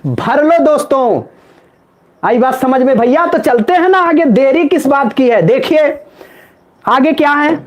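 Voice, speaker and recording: A man teaching Sanskrit in a live online exam-prep class, chanting word forms in a sing-song rhythm and joking with viewers in the chat. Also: very high voice. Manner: playful, banters with viewers in chat.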